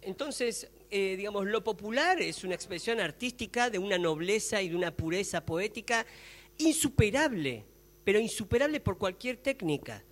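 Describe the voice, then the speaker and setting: A man with an Argentine accent discussing his views at a public talk, emphatic and halting, repeating himself. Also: sits high, lively intonation, a bit bright. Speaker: guest speaker. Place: public talk room in a library. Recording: echoey hall reverb.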